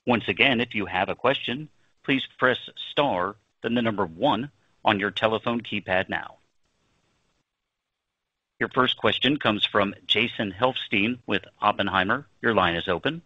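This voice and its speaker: Bright, low male conference call operator. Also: measured pace, no echo. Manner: formal, clearly scripted. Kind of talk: scripted call instructions. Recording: dry, slightly dull call audio.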